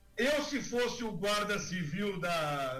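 Over music in the background, a man uses a raised, projected voice with audible room echo. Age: 50s. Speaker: accountant and auditor. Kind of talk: radio panel discussion.

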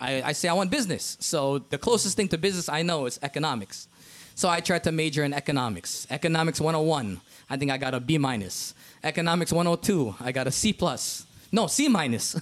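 Speaking fairly quickly, a man uses lively intonation at a fairly high pitch. His is an unremarkable speaking voice. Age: 40s. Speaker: high school English teacher and writing tutor. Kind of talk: interview conversation.

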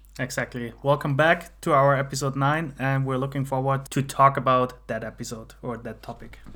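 Hardly pausing, a man with a German accent speaks at a moderate pace and medium pitch, his bright, sharp tone held in monotone, flat intonation on a very clean recording with a silent background. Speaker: podcast co-host. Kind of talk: casual chat.

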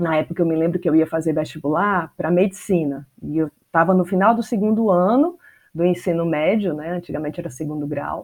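A woman talks at a fairly quick pace. Her voice sits fairly low in pitch, with ordinary pitch variation. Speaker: university English professor. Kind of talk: casual interview. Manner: hesitant, many fillers.

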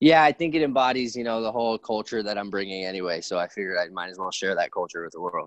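Speaking at a very fast pace, a man with an American accent barely leaves any pauses. His intonation is lively. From California, Santa Monica. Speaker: professional baseball pitcher. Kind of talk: interview. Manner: casual, filler-heavy.

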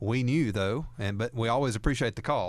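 With a Southern US accent, a man talks at a fairly quick pace over a quiet background. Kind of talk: radio call-in show. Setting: studio.

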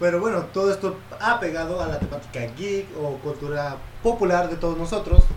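Over noticeable background noise and audible room echo, a man with a high pitch talks at a fairly quick pace with ordinary pitch variation. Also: big swings in loudness. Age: 20s. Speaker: podcast host. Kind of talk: casual chat.

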